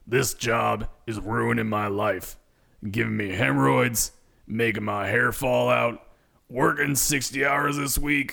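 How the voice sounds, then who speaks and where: In a gruff, raspy, put-on character voice, a man speaks at a fairly slow pace. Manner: frustrated, complaining.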